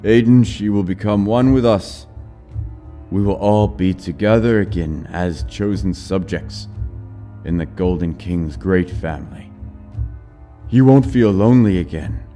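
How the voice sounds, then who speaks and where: Man voicing a fervent, menacing monster father, raised pitch. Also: unhurried, mellow, soft background music. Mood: fervent pleading. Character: crazed middle-aged father turning into yellow monster creature. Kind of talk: dramatized horror audiobook acting.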